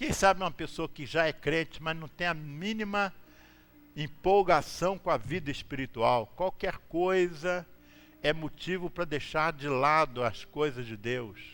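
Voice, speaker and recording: Slowish and fairly high-pitched, a man speaks in a plain, everyday voice with ordinary pitch variation. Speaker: pastor. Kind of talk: sermon. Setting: church.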